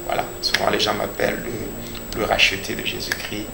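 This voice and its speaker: A man with a Congolese accent giving a personal religious testimony as a pastor, speaking deliberately and repeating phrases for emphasis. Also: lowish voice, completely flat delivery, over loud music. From Democratic Republic of the Congo. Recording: echoey room with clear background noise.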